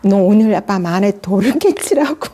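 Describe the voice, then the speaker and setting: A middle-aged woman casually telling a story in a conversation, lively and often laughing, acting out what others said. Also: mid-range voice, moderate pace. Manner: animated storytelling, laughs often, acts out quotes. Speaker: guest, meditation student.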